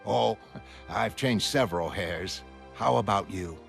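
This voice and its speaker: Older retired hero, folksy and humble, low and easy, music under. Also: male voice, unhurried, gravelly. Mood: nostalgic. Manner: folksy, self-deprecating, nostalgic. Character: genial retired old hero, man, mechanic.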